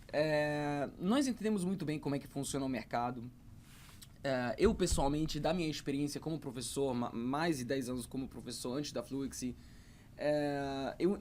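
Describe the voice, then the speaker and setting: A man's voice: a little high, darkish tone, slight background noise. A man in his thirties, an English teacher speaking to camera, hesitant, with many fillers and repeated words. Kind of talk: talking to camera about learning English.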